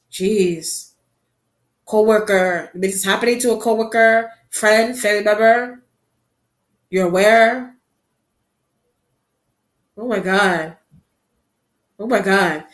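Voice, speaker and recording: A woman giving a tarot card reading to her viewers. She talks in a musing, halting way, repeats her phrases and often breaks off to exclaim. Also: mid-range voice. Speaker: tarot reader. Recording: echoey room.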